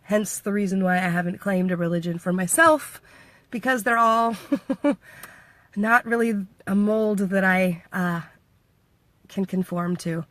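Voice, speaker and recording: In a casual vlog, an American woman from Washington State chats playfully, laughs a lot and reenacts what other people said. She speaks unhurriedly in a mid-range, slightly bright voice, and there is no room sound.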